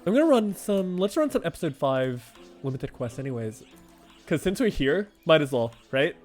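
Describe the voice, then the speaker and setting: This is a young man hosting a game livestream and chatting with viewers. His voice sits high and moves all over the place, animated and quick to laugh. Faint music plays quietly underneath. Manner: animated, laughs often, heavy use of "like". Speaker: game streamer. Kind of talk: casual livestream chat answering viewers.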